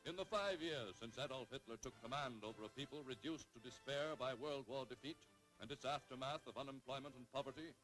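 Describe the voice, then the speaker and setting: A man's voice: fairly high pitch, fairly bright tone, rough recording. Man narrating an old 1930s newsreel. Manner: dramatic, emphatic announcing with measured pauses.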